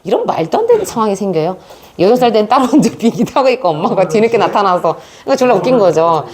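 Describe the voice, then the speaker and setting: A woman's voice: medium pitch, big pitch swings, fast talker, a little mellow. A woman teaching an English reading lesson in a chatty, storytelling way, with asides to her students. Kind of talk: casual classroom lecture.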